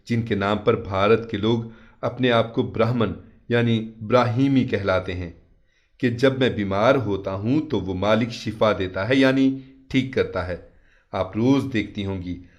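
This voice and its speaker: A man voicing a gentle, pious Muslim cleric who counsels in an earnest, measured, preaching manner. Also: on the low side, lightly acted.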